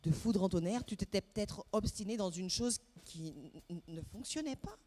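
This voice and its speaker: A woman's voice: mid-range voice, expressive, normal speed, dark tone. A woman narrating a stage play in the second person, with a wry, musing manner and many hesitations. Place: theatre stage.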